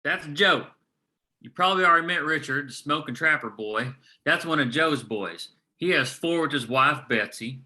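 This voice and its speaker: A man playing a gruff, world-weary, foul-mouthed veteran coal miner in a screenplay table read, with a sardonic, folksy delivery. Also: a little high, lively intonation, moderate pace, sharp tone. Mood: wry gossip.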